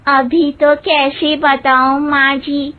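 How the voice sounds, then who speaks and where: A woman voicing a naive, muddled young village bride in a cartoon, speaking slowly. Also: sits high, little pitch movement. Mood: innocent. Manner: slow, simple and literal-minded. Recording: tinny phone-like audio.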